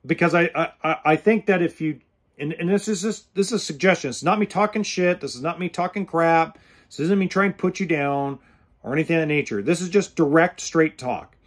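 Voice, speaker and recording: Fairly quick and on the high side, this man's voice belongs to a podcast host in his forties who talks bluntly and earnestly to the camera with hand gestures in a casual style. He records in an RV or home kitchen on a close studio mic with a pop filter.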